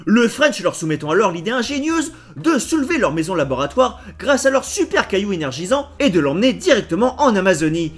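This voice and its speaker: A man's voice: high-pitched, big pitch swings, brisk, hardly any pauses. A man narrating a mocking, slangy comic recap as commentary, with music behind him.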